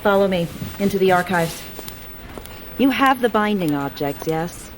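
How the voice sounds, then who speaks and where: A woman's voice: medium pitch, expressive, a little slow, slight background noise, lightly acted. A woman playing a haughty underworld handmaid and sorceress in a fantasy audio drama, dry and withering.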